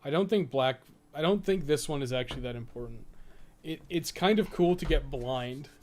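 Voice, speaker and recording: A man who streams video games and writes guides gives casual live commentary on his gameplay, rambling, thinking aloud and swearing often. His voice is slightly high and his pace normal, with a clearly noisy background.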